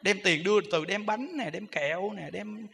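Southern vietnamese monk, high bright voice, joking sermon full of "right?" asides, long echo like a temple hall. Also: male voice, moderate pace, vocal fry, a little hiss or hum. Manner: chatty, teasing, keeps asking the audience "right?". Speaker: Buddhist monk. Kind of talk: humorous dharma talk.

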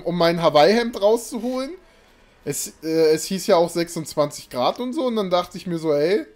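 High-voiced with a darkish tone, a young man live-streams a game from a small room at home. His chat with viewers is casual and rambling, punctuated by exasperated outbursts. A desk mic and webcam pick him up over faint game music.

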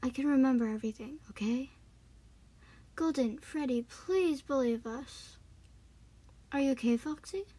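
Woman voicing Puppet, a husky, solemn animatronic. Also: sits high, unhurried, pauses often, dark tone. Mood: urgent, pleading. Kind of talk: amateur fan voice acting.

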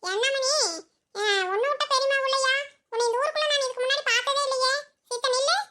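Shrill nosy old Tamil mother-in-law. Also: fairly even intonation, fast talker, sharp tone. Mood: prying. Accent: Kongu Tamil. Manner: tamil mother-in-law manner: grumbling, prying, bossy. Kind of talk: cartoon comedy dialogue.

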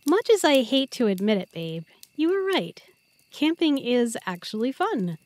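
Casting: woman to play a tender, playful young girlfriend for intimate audio roleplay, higher-pitched and very animated, recorded dry. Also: unhurried, dry recording. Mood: cheerful, content. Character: affectionate young girlfriend, earnest and shy about love.

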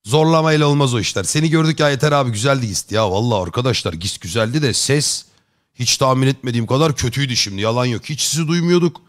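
A man's voice: mid-range voice, expressive, fast. Joking, chummy male streamer. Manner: joking, rambling, chummy slang. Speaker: live streamer chatting with viewers. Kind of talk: casual chat.

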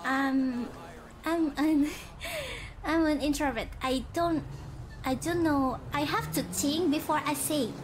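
A young woman from Indonesia chatting casually while gaming on stream, halting and searching for words, often giggling. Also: sits high, expressive, background noise. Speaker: virtual streamer.

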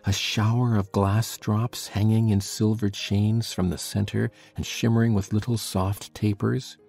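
Male actor as scornful orphan boy, low husky voice, mellow, storytelling, audiobook drama. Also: full character voice. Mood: wondering, scornful. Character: rebellious, scornful orphan boy telling of his escapade. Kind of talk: dramatized audiobook character reading.

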